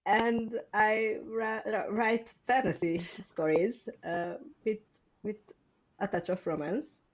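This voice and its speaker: A woman's voice: mid-range voice, steady tone, slow pace, muffled recording. A woman from Hungary, a guest author in a casual interview, sounding nervous, giggly and hesitant.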